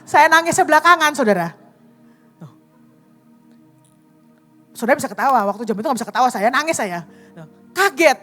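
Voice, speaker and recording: Sharing a personal story from the pulpit, a high-pitched woman evangelist keeps her sermon animated and conversational. She turns to the congregation often, calling them brothers and sisters, using tag questions and pausing for drama.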